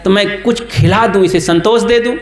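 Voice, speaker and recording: A man voicing a kindly, childless old man who gently coaxes a crying boy, within a sermon story. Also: sits high, normal speed, reverberant, lightly acted. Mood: pleading. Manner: coaxing, gentle.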